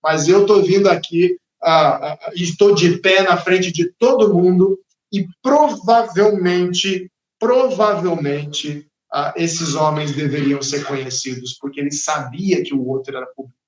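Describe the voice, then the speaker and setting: A man preaching a sermon as pastor, expressive and dramatic, sometimes acting out the voices of the people he talks about. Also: on the high side, measured pace, roomy sound, highs cut off.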